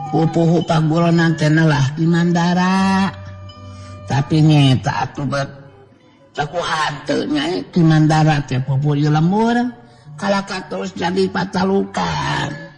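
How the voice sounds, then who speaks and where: A man's voice: on the high side, creaky, a little mellow, voice pushed up. A man voicing an elderly village woman who keeps a food stall and fusses over her guest in a storybook tale. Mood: explaining. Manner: fussing, explaining, doting.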